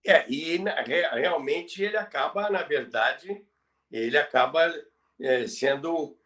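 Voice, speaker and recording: A man's voice: a little high, slow, a bit bright, far from the mic. An older man with a Brazilian Portuguese accent co-hosting a podcast in conversational commentary, often repeating phrases for emphasis. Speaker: podcast co-host telling radio history.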